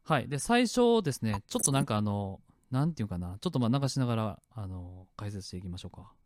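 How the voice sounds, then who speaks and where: A man hosting his own show, chatting in a relaxed way about the sound effects he made. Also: fairly low pitch, quick pace, no echo, studio quality. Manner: relaxed and chatty, many fillers, starts and stops clips. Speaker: podcast host. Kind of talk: casual solo talk explaining his sound effects. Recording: faint music clips playing behind.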